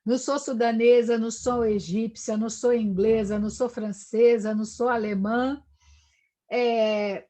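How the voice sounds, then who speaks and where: A woman's voice: a little high, fairly even intonation, measured pace, mellow. A middle-aged woman from Brazil lecturing on history, talking in long discursive runs and tagging her sentences with questions. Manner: discursive, frequent "né?" tags. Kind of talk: live online lecture.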